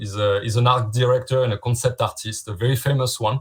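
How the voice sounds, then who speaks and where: On a very clean recording with a silent background, a man talks at a fairly quick pace. His medium-pitched voice is somewhat breathy, with fairly even intonation. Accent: French. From France. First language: French. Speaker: visual effects artist. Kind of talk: podcast interview. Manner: halting, many fillers.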